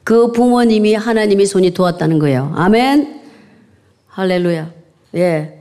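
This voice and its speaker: A woman's voice: mid-range voice, moderate pace, mellow. An older woman preaching a sermon to a congregation, exhorting listeners and repeating key phrases for emphasis. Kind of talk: sermon to a congregation, with scripture reading and amen prompts.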